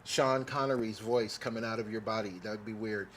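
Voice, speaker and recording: A man's voice: fairly low pitch, steady tone, brisk, crowd noise. A man hosting a talk radio interview, asking long, rambling questions in a loose, chatty way. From Kansas City. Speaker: radio show host. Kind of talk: casual interview chat.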